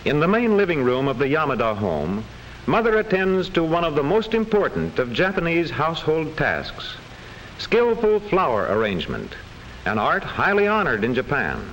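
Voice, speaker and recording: A man's voice: a little high, wildly swooping pitch, moderate pace, fairly bright tone. A man with an American accent reading scripted 1940s classroom film narration in a formal, precise storytelling manner. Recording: faintly noisy old film soundtrack.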